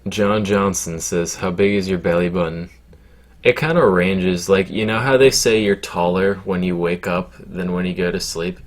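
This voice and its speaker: A man with a very deep voice answering viewer questions in casual chat. His delivery is deadpan and glum-sounding, and he rambles through fillers and profanity. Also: moderate pace. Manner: deadpan, low-key, sounds glum by his own account; rambling with many fillers and swearing.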